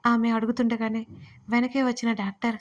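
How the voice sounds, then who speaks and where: A woman narrates a romance audio story with a steady, even delivery. Her voice sits somewhat high. She keeps the melody flat, with little rise and fall. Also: brisk.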